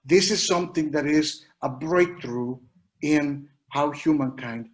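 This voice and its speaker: A man from Mexico, speaking English as an on an online panel, earnest and halting with many restarts. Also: fairly high pitch. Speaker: educator panelist.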